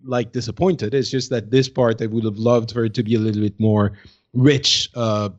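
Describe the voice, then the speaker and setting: A man chatting casually as co-host of a gaming podcast, thinking aloud in a hesitant, measured way and repeating words mid-thought. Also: mid-range voice, level tone. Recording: slightly dull, lo-fi voice feed.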